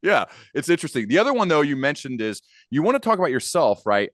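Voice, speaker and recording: A man's voice: a little high, sing-song, fast, dry recording, studio quality. A man hosting an interview podcast, chatting informally with anecdotes and acted-out imagined quotes. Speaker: podcast host. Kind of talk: casual interview chat.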